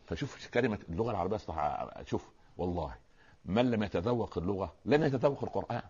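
A man with an Egyptian Arabic accent, a preacher explaining religious words in a lively talk-show conversation, often asking rhetorical questions. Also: lowish voice, quick pace, husky, lo-fi sound. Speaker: Islamic preacher, guest scholar.

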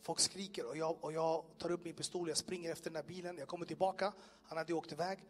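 This man gives his personal testimony to a live audience in a room, faint music running underneath. His voice is high, and his telling is vivid and lively, full of sound effects and questions aimed straight at listeners.

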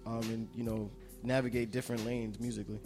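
A man's voice: lowish voice, little pitch movement, fast talker, darkish tone, soft background music. A man speaking as a producer on a panel, casual, slangy and conversational. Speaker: music producer, panel guest. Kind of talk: casual chat.

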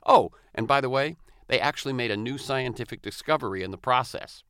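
A man hosting a science podcast, moving between scripted narration and interview chat in a measured, scripted way. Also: medium pitch, fairly bright tone, clean tone. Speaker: podcast host.

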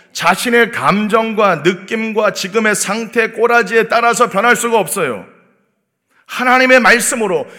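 A man's voice: sits high, bright, forceful tone. A man preaching an early morning sermon, emphatic, firing rhetorical questions at the congregation. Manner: acts out the devil's taunts in a mocking voice. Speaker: pastor.

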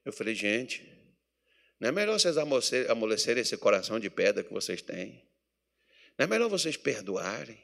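A man with a Brazilian Portuguese accent, preaching a sermon as pastor, building to shouted emphasis. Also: a little high, vocal fry. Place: church meeting hall.

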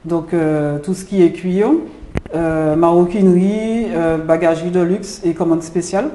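A woman's voice: fairly low pitch, fairly even intonation, a little slow, dark tone, slight background noise. A woman from Martinique, a jewelry designer, answering interview questions in a hesitant way with many filler sounds. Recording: roomy echo.

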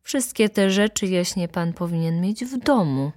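A woman's voice: on the low side, expressive, normal speed, a little mellow, no echo, clean studio sound, lightly acted. A pompous, insolent valet, as a woman narrator puts him on, talking down to everyone in a haughty, commanding voice. He gives orders in the tone of a man who runs the house, as in a storybook reading.

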